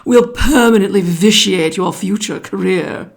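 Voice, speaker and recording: A woman's voice: medium pitch, a little slow, gravelly. A woman voicing a pompous, long-winded, bossy python rock snake in a children's story, with an emphatic, ornate way of talking. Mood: pompous, urgent.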